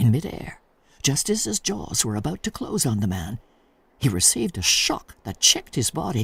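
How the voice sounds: The voice is a natural reading voice. It is used throughout.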